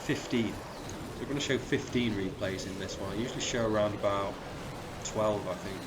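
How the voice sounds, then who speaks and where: Croaky sniffly man, casual game commentary. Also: fairly low pitch, normal speed, a loud crowd, low-quality recording. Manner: relaxed, chatty, calls out percentages. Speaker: clan leader commentating war replays.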